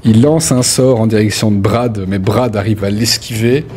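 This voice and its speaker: A man's voice: lowish voice, normal speed, darkish tone, a little hiss or hum. A man narrating a tabletop role-playing game as game master, describing scenes in a hesitant, repetitive way. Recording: background music under the voice.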